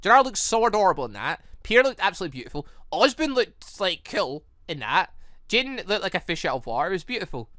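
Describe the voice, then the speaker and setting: Very animated, bright-voiced gushing gamer. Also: mid-range voice, fast, no echo, clean studio sound. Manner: gushing, exclaiming, rambling. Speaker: gaming channel host. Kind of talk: excited playthrough commentary of a visual novel, reading dialogue aloud. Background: music.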